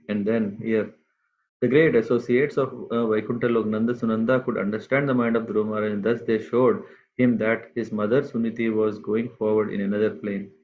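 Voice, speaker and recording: Low-voiced man on a tinny line. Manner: unhurried, halting with many fillers. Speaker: class speaker. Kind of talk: scripture class.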